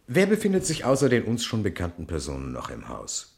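An actor playing a courteous, wry police commissioner in a German radio crime drama, questioning deliberately with dry asides. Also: male voice, low-pitched, huge pitch swings, gravelly, exaggerated voice. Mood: courteous, probing.

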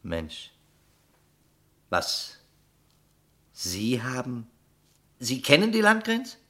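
An actor playing a probing, quietly relentless police detective in a German crime radio play, with dry, pointed questioning. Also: male voice, mid-range voice, huge pitch swings, drawn-out words, full character voice.

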